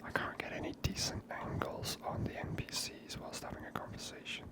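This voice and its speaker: A person giving ASMR game commentary in a soft, unvoiced whisper, gently musing aloud. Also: fairly quick. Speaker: video game player and narrator.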